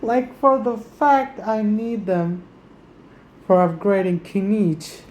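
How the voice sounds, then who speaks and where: A woman's voice: mid-range voice, slow, darkish tone, a little hiss or hum. A woman giving casual gameplay commentary as a streamer, informal and hesitant in her phrasing. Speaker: gaming streamer. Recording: faint game music behind.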